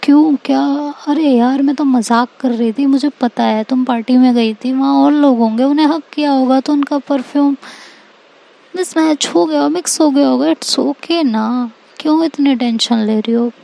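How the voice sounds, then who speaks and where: Brief: woman storyteller doing a playful, teasing teen girl, a touch high and mellow. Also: fairly even intonation, gravelly. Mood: probing. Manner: playful teasing, drawn-out questions ending in "haan". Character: teenage girl Tanya, teasing, devoted girlfriend.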